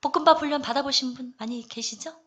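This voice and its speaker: A woman from the Daegu area giving an earnest church testimony, confiding and personal, with many soft fillers. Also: high voice, fast. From Daegu, South Korea. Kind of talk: testimony at a prayer meeting.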